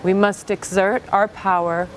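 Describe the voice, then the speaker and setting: A woman's voice: medium pitch, flat delivery, unhurried, a little hiss or hum. A woman reading a scripted inspirational manifesto aloud.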